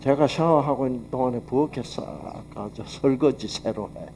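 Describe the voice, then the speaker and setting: A man's voice: medium pitch, moderate pace, dark tone, a little hiss or hum. A man giving a lecture with Bible teaching at a health seminar, talking conversationally and putting rhetorical questions to his audience. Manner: acts out quoted dialogue.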